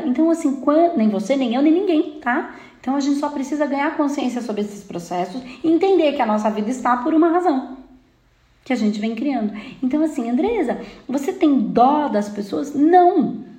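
Brazilian woman, emphatic spiritual speaker, slightly high voice, roomy echo. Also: mellow. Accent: Brazilian Portuguese. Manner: emphatic, frequent "né?" and "tá?" checks, mimics complainers. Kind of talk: spiritual self-help talk.

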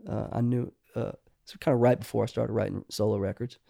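A man's voice: fairly low pitch, fairly even intonation, fairly quick, creaky, mellow, dry recording, studio quality. A middle-aged man, a songwriter guest, talking casually and rambling with many restarts. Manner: rambling, restarts often, says "you know" a lot. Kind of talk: casual podcast conversation.

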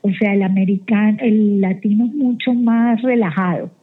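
A woman's voice: medium pitch, steady tone, normal speed. Woman from Colombia on a tinny phone line. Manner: firm, advice-giving. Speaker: guest, event organizer. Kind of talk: interview over the phone.

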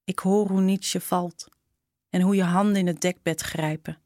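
Female narrator, lowish voice, unhurried intimate read, dry studio sound. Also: steady tone, darkish tone, no echo. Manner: slow, intimate reading. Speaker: narrator reading a short story. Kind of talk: scripted storytelling.

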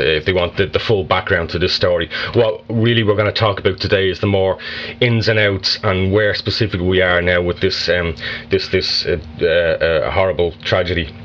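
A man hosting an interview, asking questions in a halting way full of fillers and restarts. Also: low-pitched, a bit bright, dull audio, a little hiss or hum. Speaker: podcast host.

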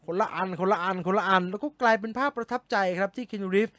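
A man hosting a casual movie news recap, chatty and given to sudden excited exclamations. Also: high voice, quick pace, dry recording. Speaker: movie news show host.

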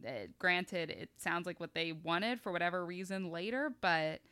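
A woman co-hosting a podcast, explaining the background in a measured, casual way. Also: fairly low pitch, expressive, bright, forceful tone, clean tone, no room sound. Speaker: podcast co-host. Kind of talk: casual chat, recounting research.

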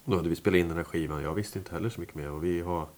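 A man's voice: sits low, darkish tone. A man, a musician, talking casually in an interview, rambling with many fillers and restarts. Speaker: musician guest. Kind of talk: relaxed interview talk.

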